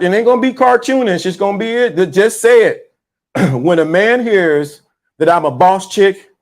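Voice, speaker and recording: A man hosting a live stream, talking loosely and repeating himself in slangy, animated casual commentary. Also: high-pitched.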